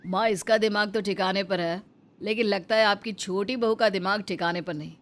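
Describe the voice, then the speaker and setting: A woman's voice: mid-range voice, fairly even intonation, moderate pace, noisy background, natural voice. A woman voicing a mocking elder brother-in-law in a cartoon, sneering and dismissive.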